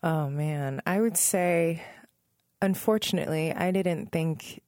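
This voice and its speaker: Speaking in a lowish voice, this interview guest is a musician in her thirties from Northern Virginia, USA. She answers questions thoughtfully and at ease, stopping to pause or correct herself and letting out soft laughs. The studio-quality recording has no echo.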